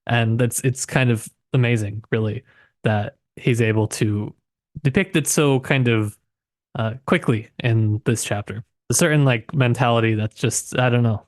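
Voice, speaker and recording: Man, mid-pitched voice, dry recording, casual podcast co-host, tentative, searching for words. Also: moderate pace, no room sound. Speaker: podcast co-host discussing a novel. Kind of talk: casual book discussion.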